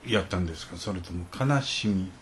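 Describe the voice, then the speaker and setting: A man's voice: low voice, a little fast, a bit bright, slight background noise. A man co-hosting, mostly nodding along and asking brief questions.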